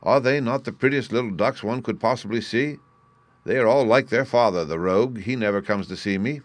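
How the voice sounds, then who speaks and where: A man's voice: medium pitch, fairly quick, no room sound, natural voice. A man voicing a tired, fretful mother duck in a storybook reading, complaining as she waits on her last egg. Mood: weary. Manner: weary, complaining.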